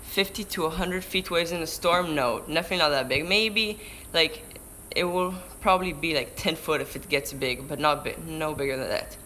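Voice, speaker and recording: A man's voice: a little high, moderate pace, hardly any pauses, bright, forceful tone, slight background noise, poor audio. A teenage boy with a Hebrew accent, chatting on a live stream and reading out viewer questions, often restarting words mid-sentence. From Israel. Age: teens. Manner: chatty, restarts mid-word, answers questions read aloud. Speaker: surfer vlogger. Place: indoors by a window. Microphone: camera-mounted shotgun mic.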